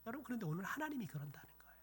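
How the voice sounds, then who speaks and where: A man's voice: high-pitched, big pitch swings, rapid-fire, fairly bright tone, slightly rough. A middle-aged man preaching a sermon in a church, telling folksy family stories and dropping into whispers for emphasis. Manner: folksy storytelling, acting out scolding relatives, dropping to whispers. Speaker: pastor. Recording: church sanctuary.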